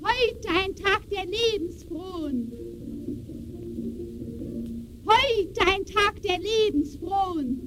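An actress playing a declamatory, solemn herald of sensational headlines in a 1920s-style radio play. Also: female voice, very high voice, lively intonation, slow, over music, heavily acted. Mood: exalted, proclaiming. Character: dramatic woman herald chanting sensational newspaper headlines.

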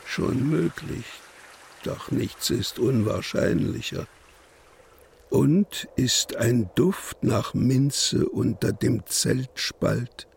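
An actor playing an imprisoned poet in a radio play, reciting solemnly with weighty pauses and a creaky voice. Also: male voice, mid-range voice, slight background noise. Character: imprisoned male poet, brooding, defiant, incantatory. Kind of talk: German literary radio play, dramatic poetic recitation.

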